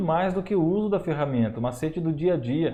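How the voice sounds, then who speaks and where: The man's voice sits at a high pitch. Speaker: software instructor. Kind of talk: tutorial. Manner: fast.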